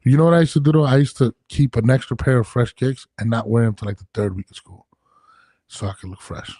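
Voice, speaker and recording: A man's voice: mid-range voice, fast, warm tone, husky, dry recording, studio quality. A married man in his thirties co-hosting a podcast, blunt, profane and jokey in a casual chat. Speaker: podcast co-host.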